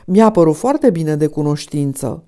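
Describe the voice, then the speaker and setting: A woman's voice: sits low, lively intonation, mellow. A woman reading an audiobook voices a painter's wife whose politeness is affected and sour. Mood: falsely polite.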